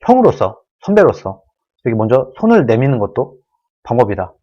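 A man's voice: medium pitch, big pitch swings, fairly quick, warm tone, highs cut off. A man hosting his own channel, giving an earnest solo political commentary, pleading and restating each point.

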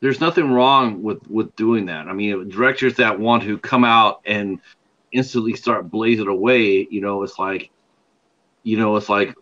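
A man's voice: fairly low pitch, fairly bright tone, muffled recording. An older man hosting a livestreamed interview show on a video call, rambling with many fillers and restarts.

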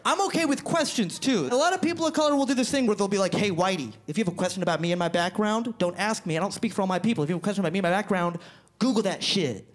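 A young man from Florida doing a stand-up set on a club stage into a handheld mic, animated and quick with his punchlines, slipping into other people's voices. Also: high-pitched. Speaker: stand-up comedian. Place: comedy club stage before a live audience.

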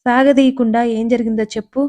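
Storybook heroine: woman reading a stubborn young woman who talks back, bright-pitched but warm. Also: flat delivery, close to an everyday voice. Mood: defiant. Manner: quick-tempered, defiant.

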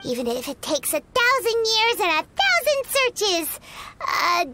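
A woman voicing a tiny, cheeky, boastful fairy companion in a video game, with a squeaky childlike voice and exclamatory delivery. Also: very animated, unhurried, very noisy, exaggerated voice. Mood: determined, blustering.

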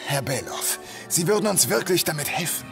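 A man plays a young police inspector in a radio play. His voice is a little high for a man, polite and businesslike yet determined, with faint music underneath. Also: expressive, a little fast, creaky, a bit bright. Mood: insistent. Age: young adult. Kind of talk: German audio drama acting.

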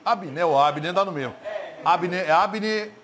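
A man's voice: high voice, normal speed. A man hosting a comedy talent show, joking and offhand as he banters with his guests. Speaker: show host. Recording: loud studio crowd.

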